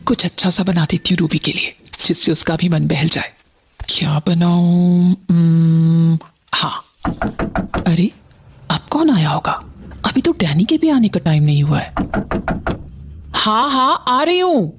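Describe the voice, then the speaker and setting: A woman's voice: lowish voice, lively intonation, unhurried, long pauses, background noise. An actress playing a bitter mother who harshly orders her son out of the house, in an audio drama. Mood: caring. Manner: harsh, scolding.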